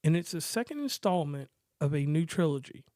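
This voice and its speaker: A man's voice: a little high, animated, fairly quick, mellow, no room sound, studio quality. An American man hosting a movie review podcast in casual, slangy chat, rambling and joking as he goes. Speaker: podcast host.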